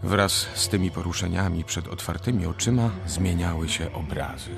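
A man narrating a radio story in measured, scripted literary prose. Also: low-pitched, gravelly. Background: music.

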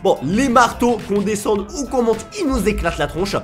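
A young man gives energetic gameplay commentary, often shouting and laughing as he talks to viewers. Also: high-pitched, normal speed, soft background music. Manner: excitable, shouts and laughs often, addresses viewers as "les gars". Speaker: gaming YouTuber.

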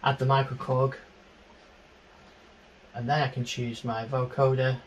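A middle-aged man giving an informal, unscripted tutorial on music software, explaining step by step into a handheld microphone in a small home studio. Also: medium pitch, little pitch movement, unhurried, muffled recording, slight background noise. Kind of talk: informal screen-share tutorial.

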